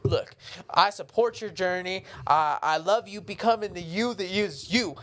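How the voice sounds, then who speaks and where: A man's voice: sits high, a little slow, fairly bright tone. A man co-hosting a podcast, talking in slangy, teasing banter. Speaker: podcast co-host. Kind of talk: casual chat.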